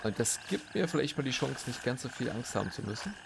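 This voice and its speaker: A man's voice: mid-range voice, big pitch swings, fast, creaky, noisy background. A man giving casual, chatty commentary while playing a game, tense and swearing now and then. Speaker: gaming commentator.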